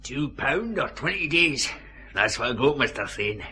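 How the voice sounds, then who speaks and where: An actor playing a sly, easygoing jailed newspaper seller with a Scottish accent in a radio detective drama. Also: male voice, mid-range voice, sing-song, moderate pace, bright, forceful tone, husky, heavily acted. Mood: wheedling. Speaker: small-time drunk informant.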